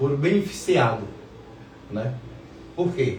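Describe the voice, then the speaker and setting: With lively intonation and audible room echo, a man speaks at a moderate pace in a fairly high pitch. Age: 60s. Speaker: retired education worker and community activist. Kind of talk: interview. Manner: halting, with repetitions and fillers.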